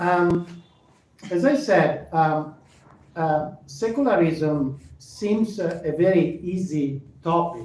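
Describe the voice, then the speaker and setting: Very slowly and with long, frequent pauses, a man with an Italian accent speaks at a high pitch with ordinary pitch variation, audible room echo around him. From Italy. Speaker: professor. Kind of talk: lecture. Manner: halting.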